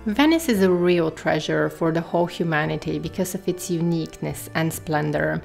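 A woman's voice: sits low, normal speed, vocal fry, darkish tone, soft background music. A woman vlogger narrating her trip in an enthusiastic, admiring way, with some "um" fillers. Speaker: travel and beauty vlogger. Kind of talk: travel vlog voice-over narration.

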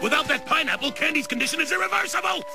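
A man voicing a pompous, bumbling old cartoon wizard with a gravelly voice. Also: extremely high pitch, expressive, rapid-fire. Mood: dramatic. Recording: loud music behind.

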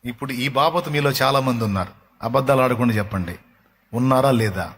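A man's voice: medium pitch, fairly quick, slight background noise. A male pastor preaching a sermon, fervent and chatty by turns, teasing the congregation. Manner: fervent, rising to loud sung lines, then chatty and teasing.

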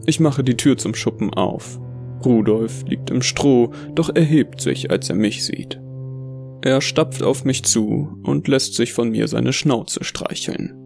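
A male actor narrates as a bitter, deluded Santa in a horror story. His mid-pitched voice is gravelly and brooding, full of contempt, with music underneath. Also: takes it slowly, darkish tone. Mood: brooding, cold. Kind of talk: dramatic first-person horror narration. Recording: music behind the voice.

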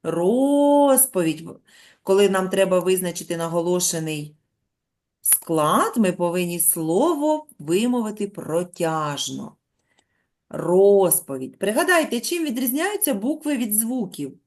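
A middle-aged woman teaching a primary school class, dictating slowly and patiently to young children. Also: medium pitch, lively intonation. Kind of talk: classroom lesson.

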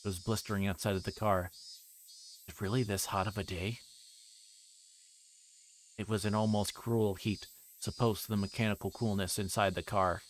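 A man livestreaming a visual novel, reading it aloud in a casual, halting way that stumbles over words. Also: lowish voice, little pitch movement, a little hiss or hum. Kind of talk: casual narrated read-aloud.

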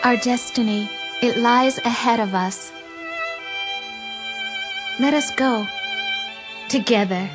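An actress playing a devoted young wife in a video game cutscene, speaking softly and resolutely. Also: female voice, on the high side, takes it slowly, pauses often, music in the background.

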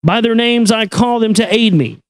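A man giving a solemn, measured reading of an esoteric text in an incantatory, deliberate manner. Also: high voice, clean tone, no room sound. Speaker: reader and commentator. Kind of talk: solemn recitation of an esoteric text with brief asides.

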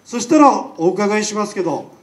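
A doctor gives a chatty public talk in a lecture hall, asking the audience one rhetorical question after another in a Nagasaki accent. His high voice is expressive and moves at a normal speed, picked up by a far-off mic in an echoing room.

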